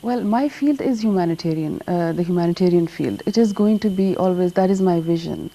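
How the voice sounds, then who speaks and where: Quick, low-voiced Pakistani woman interviewee. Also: mellow, low-quality recording. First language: Urdu. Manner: switches between English and Urdu mid-sentence. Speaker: guest artist. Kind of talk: TV interview answers.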